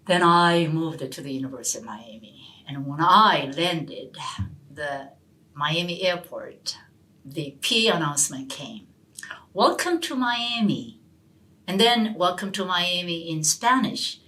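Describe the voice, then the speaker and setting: Animated woman professor telling stories. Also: lowish voice, low-quality recording. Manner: animated, repeats and restarts words. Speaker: professor, interview guest. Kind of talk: storytelling interview answers. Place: university hall.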